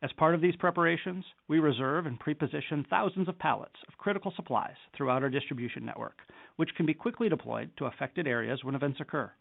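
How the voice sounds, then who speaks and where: A man reading a scripted corporate presentation as a company executive in a measured, formal delivery. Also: on the high side, creaky. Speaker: company executive on an earnings call. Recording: narrow phone-line conference call audio.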